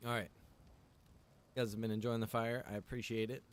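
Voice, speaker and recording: A man hosting a livestream, chatting casually to viewers in a rambling, halting way with informal asides. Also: fairly low pitch, little pitch movement. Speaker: livestream host. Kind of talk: casual chat to stream viewers.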